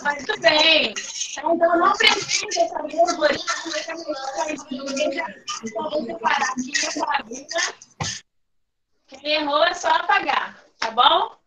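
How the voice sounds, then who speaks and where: A woman's voice: high voice, normal speed, a crowd in the background. A woman, teaching a class online and patiently coaxing her pupils by name with repeated questions. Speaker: primary school teacher.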